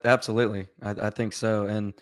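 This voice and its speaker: Male guest, a little raspy from a cold, steady and even, dry close mic. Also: on the low side, brisk, no echo. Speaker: podcast guest. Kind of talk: casual interview.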